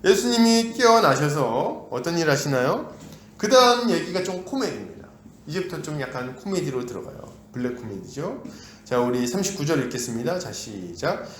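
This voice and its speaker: A male pastor preaching a sermon, acting out the disciples' and Jesus' voices in an animated way. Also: on the high side, moderate pace, roomy sound, slight background noise. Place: church sanctuary.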